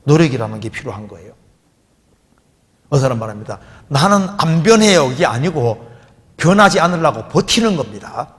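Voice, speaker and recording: A man's voice: medium pitch, lively intonation, a little fast, pauses often. A male pastor delivers a sermon, answering a believer's question. He keeps asking his listeners rhetorical questions and quotes scripture along the way. His voice carries a long reverb tail.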